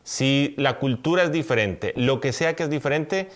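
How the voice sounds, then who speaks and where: A man's voice: medium pitch, moderate pace. A man from Colombia, co-hosting a podcast in casual chat with his wife, earnest and conversational. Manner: earnest, conversational, with filler hesitations. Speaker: podcast co-host.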